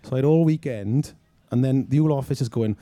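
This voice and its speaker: A man from Wales tells his story in a rush, with a very dark, mellow tone. He laughs often and acts out what people said. His voice sounds dry and close, with no room around it. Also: medium pitch, fast, no echo. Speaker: film director guest. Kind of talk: anecdotal storytelling.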